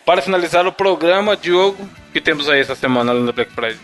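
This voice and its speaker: Male podcast host, Brazilian accent, sharp higher voice, animated, slangy and sweary, casual chat. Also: fast, faint music behind.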